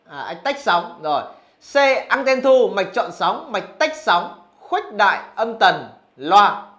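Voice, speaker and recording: A man with a high voice teaches physics, working through exam questions one by one. He keeps checking with his students as he explains each answer. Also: big pitch swings, takes it slowly, bright, forceful tone. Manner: talks through answers, asks rhetorical questions. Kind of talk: exam review lesson.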